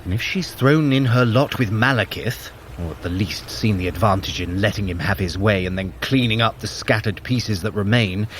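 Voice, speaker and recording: An actor playing a sly, sardonic trickster god in an audio drama, speaking in an articulate, theatrical, wry way. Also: male voice, medium pitch, a little hiss or hum. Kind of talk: scripted audio drama acting.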